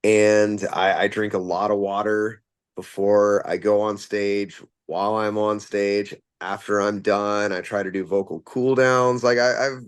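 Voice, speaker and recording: A man's voice: fairly low pitch, flat delivery, a little slow, clean tone, no room sound. A man who fronts a rock band, answering interview questions casually and rambling with plenty of fillers and restarts.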